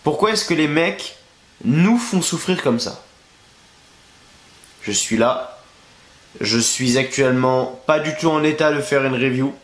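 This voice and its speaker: Speaking a little slowly and pausing often, a young man with a mid-range voice is congested and exhausted from the flu. He rants crudely and sarcastically at the camera facing him for a wrestling review, recorded in a roomy-sounding bedroom at home.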